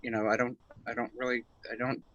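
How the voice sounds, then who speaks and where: A quick-paced male voice, mid-range and fairly bright but flat in delivery, belongs to an author being interviewed. He responds loosely and rambles, restarting often and using many fillers while discussing personal matters frankly. The recording is dry and dull, with a lo-fi quality.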